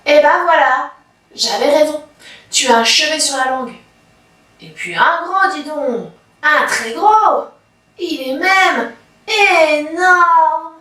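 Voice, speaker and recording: A woman's voice: sits high, expressive, slow pace, pushed and bright, heavily acted. A woman voicing a small, sly white rabbit who fusses and gives orders, in a storybook reading. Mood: bossy. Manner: fussy, bossy instructions. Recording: very echoey room, from far off.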